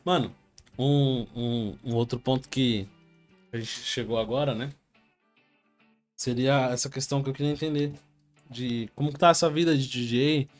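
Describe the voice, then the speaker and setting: A man's voice: medium pitch, fairly even intonation, normal speed, pauses often, soft background music. A man hosting a podcast, teasing his guest and asking questions. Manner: teasing, joking interviewer. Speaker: podcast host. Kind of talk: casual podcast interview.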